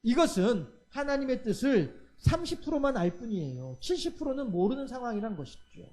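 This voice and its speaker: Middle-aged male pastor, very high voice, sermon, acts out voices, rhetorical questions. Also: sing-song, brisk, darkish tone. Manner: acts out quoted voices of God and children; asks the congregation rhetorical questions.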